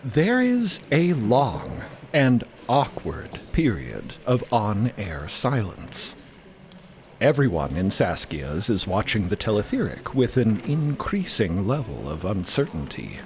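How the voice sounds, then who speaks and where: A man's voice: fairly low pitch, wildly swooping pitch, slow, slight background noise. A man narrating a scripted audio drama in a dramatic style. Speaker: podcast narrator. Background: music.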